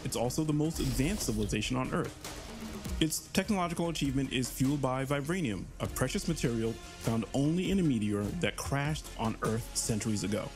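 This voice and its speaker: A man's voice: medium pitch, lively intonation, a little fast. A man giving a prepared promotional talk as a writer presenting his work. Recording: music behind the voice.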